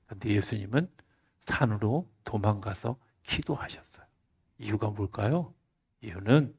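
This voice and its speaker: A male pastor preaching a Friday night sermon in church, swinging from loud emphasis to soft near-whispers. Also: medium pitch.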